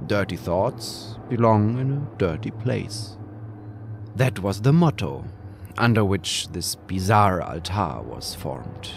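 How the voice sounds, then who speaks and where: A man whose first language is German, slowly reading a scripted horror story with deliberate, dramatic pauses. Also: on the low side, gravelly, darkish tone, a little hiss or hum. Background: music.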